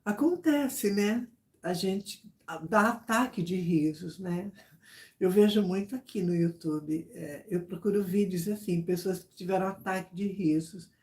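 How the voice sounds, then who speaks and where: Woman, casual YouTube storyteller, mellow and warm, lively retelling, lots of asides. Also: lowish voice, a little slow. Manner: animated, repeats phrases, many "sabe?" asides. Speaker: YouTuber chatting with subscribers.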